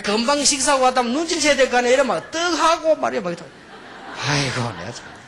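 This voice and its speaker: A middle-aged man preaching a sermon, telling stories and swinging between quiet asides and emphatic outbursts. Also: high-pitched, husky. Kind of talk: sermon with anecdotes.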